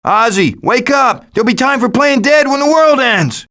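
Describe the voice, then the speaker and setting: A cocky raccoon hero from an animated video game. The voice sits high and jumps around animatedly in pitch. The delivery is glib and theatrical, that of a scheming, adventurous wisecracker. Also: male voice, normal speed, exaggerated voice. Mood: wisecracking.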